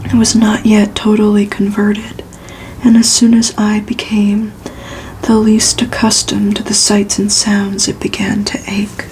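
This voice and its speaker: A woman whispering a novel aloud as ASMR, in a breathy, soft and soothing, unhurried delivery. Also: mid-range voice, a little hiss or hum, low-quality recording. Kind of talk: whispered ASMR audiobook reading.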